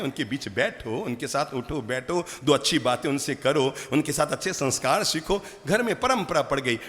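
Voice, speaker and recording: A man, a Jain monk, giving an animated sermon full of rhetorical questions and acted-out family scenes. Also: a little high. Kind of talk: sermon to a live audience. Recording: long hall reverb.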